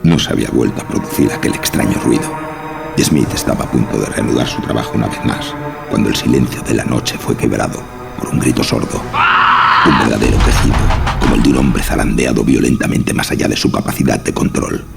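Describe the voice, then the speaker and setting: A man with an extremely low voice, thick with gravelly creak, narrates a horror tale. His delivery is measured and literary. Music plays clearly behind him. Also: fairly even intonation. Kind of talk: scripted narration of a horror story. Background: clearly audible music.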